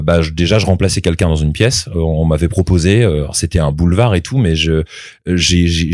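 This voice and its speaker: A man's voice: deep voice, a little mellow, dry recording, clean studio sound. A man in his thirties, a voice actor being interviewed, talking casually with many fillers and restarts. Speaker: voice actor guest.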